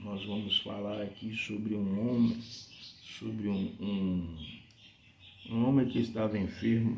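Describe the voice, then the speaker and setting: Through noticeable background noise and audible room echo, a man speaks at a very slow pace, fairly low in pitch, with fairly even intonation. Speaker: lay preacher. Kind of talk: sermon. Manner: soft-spoken.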